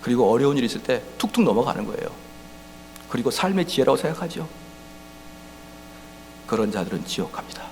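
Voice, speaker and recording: A man preaching a sermon as pastor. He is emphatic, swings between loud outbursts and quiet asides, and acts out quoted voices. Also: medium pitch, sing-song, fairly quick, long pauses, a little hiss or hum. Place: church sanctuary. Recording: church hall reverb.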